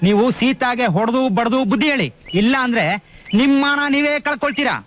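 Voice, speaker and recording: An actor playing a meddling relative who stirs trouble in an insinuating way. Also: male voice, very high voice, quick pace, a bit bright. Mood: scheming.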